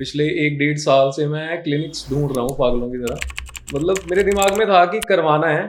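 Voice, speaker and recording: A man's fairly high voice with a slight Punjabi accent, ordinary pitch variation, and music in the background. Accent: Punjabi touch in Hindi. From Punjab, India (Patiala). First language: Punjabi (speaking Hindi). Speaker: hair transplant patient, comedy video creator. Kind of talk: interview testimonial. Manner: casual, code-mixed Hindi-English.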